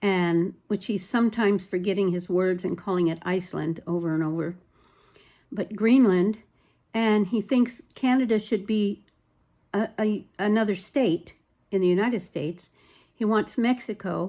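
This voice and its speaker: A woman's dark, mellow voice at a moderate pace, on a very clean recording with a silent background. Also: medium pitch for a woman, ordinary pitch variation. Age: 70s. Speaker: vlogger. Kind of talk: casual monologue. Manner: rambling, halting.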